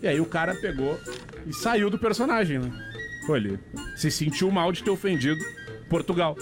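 High-voiced gaúcho man over clear music. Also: animated, moderate pace. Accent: southern Brazilian, gaúcho. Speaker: radio comedy co-host. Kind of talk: casual joke telling. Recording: music playing behind the voice.

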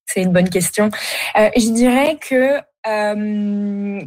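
A woman's voice: mid-range voice, slow pace, a little mellow. A woman from France with a French accent, answering a radio interview with many hesitations and fillers. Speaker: podcast host and career coach guest.

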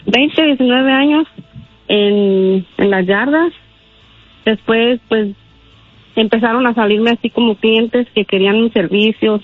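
A woman's voice: fairly high pitch, no echo. Modest woman caller on a tinny line. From Guanajuato, Mexico. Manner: modest, hesitant, many "pues". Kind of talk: phone call-in on radio. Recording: tinny phone line, dry.

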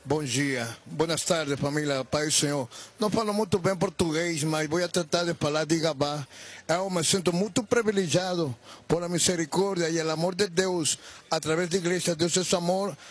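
A man's voice: on the high side, breathy edge, no echo. Bolivian man giving earnest radio testimony. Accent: Bolivian Spanish. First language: Spanish. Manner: earnest, halting, mixes Spanish into Portuguese. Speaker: testifying churchgoer.

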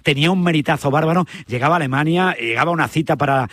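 A man's voice: on the high side, racing, a bit bright. A man from Spain hosting a radio sports interview, chatty and emphatic.

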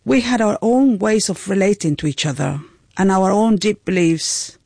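A woman voicing a translation in the first person, in a gentle, even delivery. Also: mid-range voice, moderate pace, creaky, no echo, clean studio sound. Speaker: voice-over interpreter.

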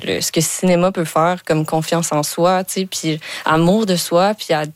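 A woman's voice: fairly low pitch, fairly even intonation, no room sound. A young woman with a Quebec French accent, a filmmaker guest in an interview, talking eagerly with many fillers. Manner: enthusiastic, fast, many fillers. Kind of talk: casual interview talk.

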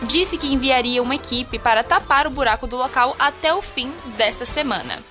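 A radio reporter with a Bahian accent delivers her items in a crisp, scripted way. Her voice sits high for a woman, and a music bed plays clearly beneath it. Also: expressive, fairly quick, sharp tone. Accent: Bahian Brazilian Portuguese. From Bahia, Brazil. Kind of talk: radio news reading.

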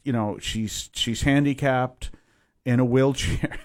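A man's voice: medium pitch, steady tone, darkish tone, dry recording, clean studio sound. A middle-aged man, a Catholic priest talking as a guest in a casual interview, full of fillers and restarts. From Massachusetts, USA. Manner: halting, many fillers and restarts.

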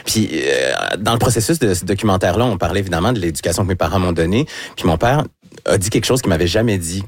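Low québécois guy in his 30s, calm and measured, lots of little pauses, dry sound. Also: slightly rough, dry recording. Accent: Québécois French. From Quebec. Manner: thoughtful, measured, often pausing with fillers. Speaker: radio host as guest. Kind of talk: relaxed interview talk.

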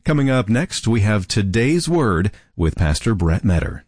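A man's voice: lowish voice, very animated, unhurried, darkish tone, dry recording, clean studio sound. A man reading station announcements in a dense, full radio announcer delivery.

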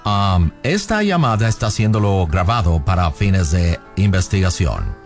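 Man playing an officious police officer, halting broken speech, lively pitch, faint music behind. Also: heavily acted. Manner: halting, stiff, filled with ums and English "so". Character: adult male American police officer speaking broken Spanish.

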